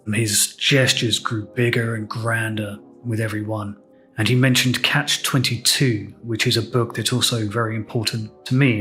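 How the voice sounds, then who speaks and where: A man with an English accent hosting a podcast, telling a personal story in a reflective, candid, unhurried way. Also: fairly low pitch, fairly bright tone. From England. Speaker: podcast host.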